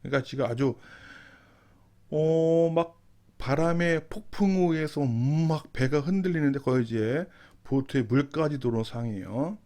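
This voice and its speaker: A man teaching English through Bible verses. He reads each verse very slowly, then explains it, repeating and rephrasing the key words. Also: on the high side, mellow.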